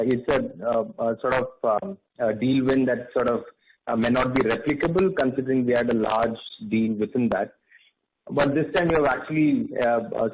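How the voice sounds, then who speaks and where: A man asking questions as an analyst on an earnings call, polite and very halting as he builds each question. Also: mid-range voice. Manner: very hesitant, halting, polite phrasing. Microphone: phone. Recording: dull phone line with faint noise.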